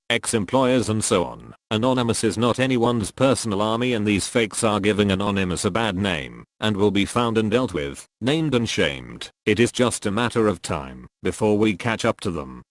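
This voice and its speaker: Guy w a disguised deep voice reading a formal warning, low, dry close sound. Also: expressive, moderate pace, hardly any pauses, no echo. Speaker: anonymous spokesperson. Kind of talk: scripted statement read aloud.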